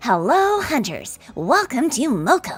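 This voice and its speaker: This put-on character voice is high in pitch, swings very widely in pitch and moves at a fairly slow pace, with music in the background. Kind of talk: Gen Z slang. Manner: excited.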